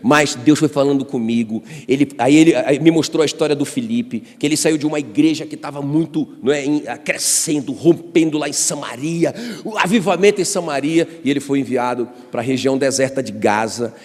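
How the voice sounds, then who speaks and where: A man's voice: medium pitch, brisk, a little mellow. A man from Brazil, a pastor preaching a sermon with personal stories and calls for the congregation to respond. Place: church hall. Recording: long church hall reverb.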